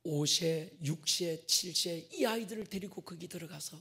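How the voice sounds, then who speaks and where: A male pastor preaching a sermon to his congregation, swinging from loud stressed phrases to whispered endings and drawing out key words. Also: fairly high pitch, vocal fry, breathy edge. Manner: addresses the congregation directly, drawn-out stressed words.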